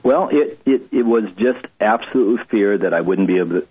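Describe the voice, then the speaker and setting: Low, husky man telling a confession. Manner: earnest, halting confessional storytelling. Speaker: guest. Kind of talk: personal testimony interview. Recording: tinny phone-line radio audio.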